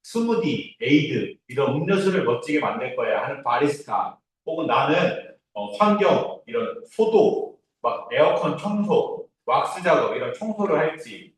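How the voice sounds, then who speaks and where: A man's voice: a little high, animated, normal speed, hardly any pauses. Easygoing male instructor in a very echoey room. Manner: easygoing, reassuring, asks listeners to confirm. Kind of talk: informal classroom orientation talk. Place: indoor classroom, recorded from a distance. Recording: very echoey room, distant mic.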